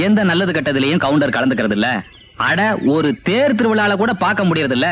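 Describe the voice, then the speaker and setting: A man's voice: a little high, animated, fairly quick, fairly bright tone. A gossiping village man. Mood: chatty. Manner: chatty. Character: chatty gossiping village man, curious and teasing. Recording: dull lo-fi film soundtrack with faint noise.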